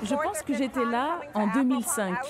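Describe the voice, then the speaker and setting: A woman at a festival recalling past visits in a relaxed, reflective way. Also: sits high, moderate pace, over a noisy crowd. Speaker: festival goer. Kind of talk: vox pop interview.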